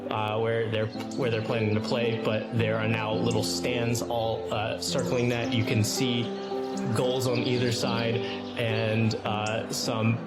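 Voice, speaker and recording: A man's voice: medium pitch, flat delivery, slow pace. A man playing a tabletop game, casually explaining rules and describing his character's actions. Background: prominent music.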